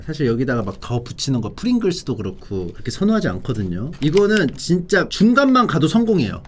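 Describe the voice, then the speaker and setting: A man with a fairly high voice and very animated intonation hosts an eating livestream. He chats casually to his viewers, offering opinions and arguing playfully. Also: a little hiss or hum. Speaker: livestream host reviewing snacks. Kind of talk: casual mukbang livestream chat.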